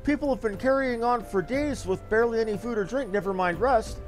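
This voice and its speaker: A man's voice: very high voice, brisk, faint music behind. A man voicing a small, flustered, bossy young lady from a video game, chatty and gushing as he reads the dialogue aloud. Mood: worried, earnest. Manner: fussy, gushing, exclaiming.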